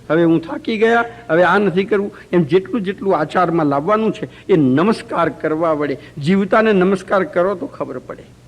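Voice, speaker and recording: A man's voice: high-pitched, dull audio. A man giving a storytelling religious talk to a congregation at a community center, often checking in with the audience through rhetorical questions. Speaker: religious teacher.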